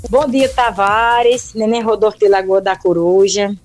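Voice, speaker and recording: A middle-aged woman calling a radio show. She speaks slowly and earnestly, and her voice is mid-pitched. The sound is dry and close. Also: fairly even intonation, a little mellow, no room sound, faint music behind. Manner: slow, earnest dedication with blessings. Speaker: radio caller.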